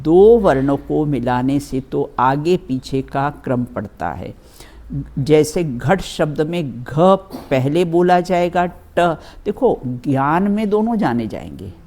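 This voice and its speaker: A woman's voice: sits low, dark tone. A woman teaching as a religious teacher, reading a scripture text aloud and explaining it with everyday examples, often checking with her listeners. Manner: slow, repeatedly checks with "है ना" and "बिल्कुल"; addresses listeners as children, gives everyday examples.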